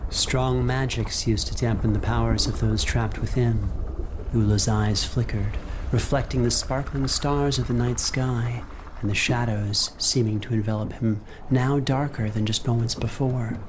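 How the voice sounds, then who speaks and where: Male storyteller for a horror fantasy podcast, mid-pitched, measured and literary, with clear background ambience. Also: fairly even intonation, background noise. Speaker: narrator, co-game master. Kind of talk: scripted-sounding atmospheric fantasy horror narration.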